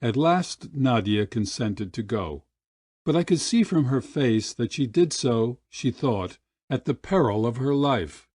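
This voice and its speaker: A man reads literary fiction as an audiobook narrator. His pace is slow and deliberate, with a medium-pitched voice in a dry, close recording. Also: lively intonation, a little mellow, slightly rough, no echo. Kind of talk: literary short story narration.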